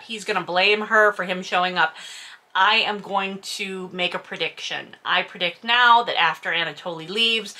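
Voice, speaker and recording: A woman's voice: medium pitch, sharp tone. A woman hosting a casual read-along, giving mocking, exasperated commentary on a novel with sarcasm and some swearing. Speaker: host reading a novel aloud with commentary.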